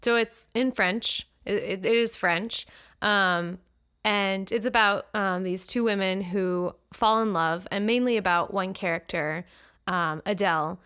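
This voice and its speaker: A woman's voice: medium pitch, measured pace, fairly bright tone, clean tone. Easygoing, giggly woman. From United States. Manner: easygoing, laughs often, says "like" a lot. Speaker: podcast co-host. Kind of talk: casual chat. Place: apartment living room. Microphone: new podcast microphone.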